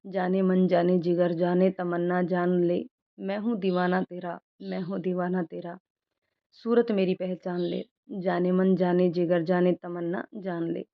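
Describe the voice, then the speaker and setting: A woman's voice: mid-range voice, fairly even intonation, normal speed, natural voice. A woman reading the part of a playful young man in love who teases and sings to his girlfriend, in a storybook narration. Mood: teasing. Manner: teasing, sings filmy lines. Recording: dull lo-fi recording.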